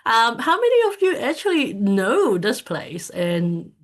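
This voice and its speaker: Woman from Hong Kong, casual online presentation, halting speech, lots of fillers, video-call mic. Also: a little high. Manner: hesitant, many fillers and restarts. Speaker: speaker at an online community event.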